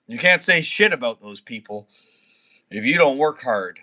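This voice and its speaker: A man's voice: mid-range voice, expressive, normal speed, sharp tone. A man in his thirties, drunk and slurring, rambling and swearing constantly while chatting with viewers on a livestream. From Canada. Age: 30s. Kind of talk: casual livestream chat with viewers.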